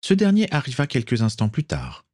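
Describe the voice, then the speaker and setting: A man narrating an audiobook in an expressive, wide-ranging reading, close on the mic. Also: mid-range voice, fairly quick, dry recording. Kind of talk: scripted narration.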